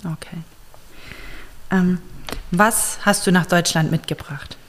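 A woman interviewing a young man, asking gentle, careful questions with frequent fillers. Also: lowish voice, steady tone, slow pace, big-room sound.

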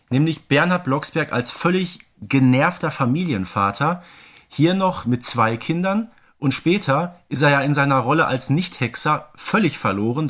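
Male podcast co-host, mid-pitched, conversational analysis of audio drama. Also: fairly bright tone, husky. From Ruhr area, Germany. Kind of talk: casual audio drama review chat.

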